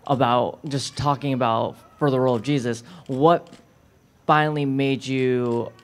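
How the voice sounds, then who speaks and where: A man's voice: medium pitch, steady tone, a little slow. A man in the audience asking a hesitant question.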